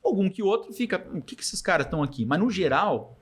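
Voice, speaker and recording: A man with a southern Brazilian accent and a slightly high voice, talking very quickly. He speaks casually as an interview guest, with slangy, anecdotal phrasing that slips into imagined dialogue. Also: sing-song, husky. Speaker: podcast guest, startup founder.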